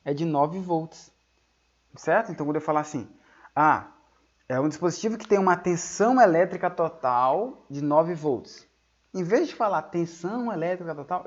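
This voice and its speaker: A male physics teacher giving a classroom lecture, explaining patiently, checking whether the students follow, and dictating key terms slowly for notes. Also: a little high, a little mellow. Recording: dull lo-fi audio.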